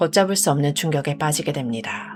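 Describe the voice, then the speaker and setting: With music in the background, a woman speaks in a soothing, calm tone with lively intonation. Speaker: true crime narrator. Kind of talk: true crime sleep story narration. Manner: sleepy, soothing.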